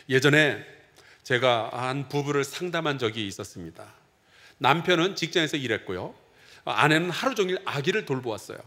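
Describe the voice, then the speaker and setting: A man's voice: fairly high pitch, pushed and bright. A middle-aged man, a pastor, preaching a sermon in a conversational way and often asking the congregation questions.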